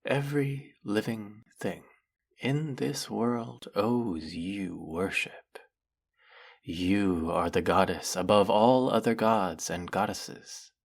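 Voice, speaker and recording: A man performs a fanatical male demon familiar for a fantasy roleplay. The voice sits very low, with a husky, breathy grain. He speaks slowly and with formal, theatrical reverence, every phrase heavy with worshipful, lovesick devotion. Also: exaggerated voice. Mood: fervent worship. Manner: over-the-top reverent, formal, dramatic. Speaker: voice actor.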